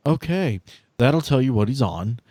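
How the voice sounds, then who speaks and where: A man speaking casually as game master, narrating and bantering in a halting, sardonic, sweary way. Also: medium pitch, lively intonation, darkish tone.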